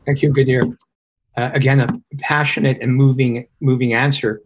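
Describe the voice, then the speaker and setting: An older man moderating a panel over a video call, courteous and measured. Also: medium pitch, little pitch movement, a little hiss or hum. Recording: dull, lo-fi video call audio.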